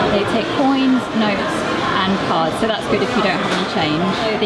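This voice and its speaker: A woman's voice with ordinary pitch variation over loud background noise. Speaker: travel vlogger. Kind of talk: casual vlog chat. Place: shop. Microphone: phone near.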